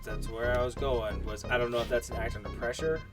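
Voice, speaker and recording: A man with an average-pitched voice talks casually through his turn in a tabletop game. Music is clearly audible behind his voice. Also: steady tone, brisk. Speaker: player in a tabletop role-playing game.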